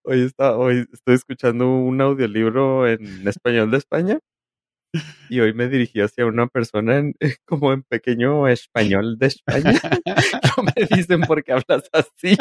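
A man's voice: medium pitch, moderate pace, dry recording. A Mexican man co-hosting a casual podcast. He is teasing and jokey, with a mid-range voice captured very dry and free of room sound. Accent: Mexican Spanish. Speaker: podcast co-host. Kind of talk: casual chat.

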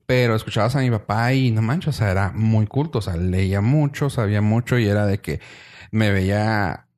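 A man with a Mexican Spanish accent chatting casually as a podcast co-host, slangy and animated, jumping into high-pitched imitations. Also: moderate pace. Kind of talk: casual chat.

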